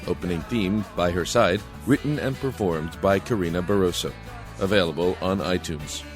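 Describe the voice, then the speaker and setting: Really deep guy announcer reading credits, measured, formal, soft music under it. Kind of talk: scripted narration.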